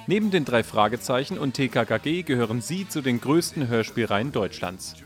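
A man reading a scripted podcast introduction in a measured presenter's manner. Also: medium pitch, animated. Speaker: narrator of an introduction segment. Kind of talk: scripted narration. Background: soft music.

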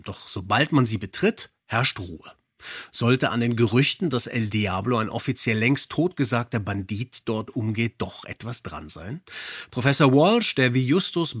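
Husky man hosting a podcast. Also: mid-range voice, a bit bright, dry recording, clean studio sound. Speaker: podcast co-host. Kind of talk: casual podcast chat and scripted read-outs.

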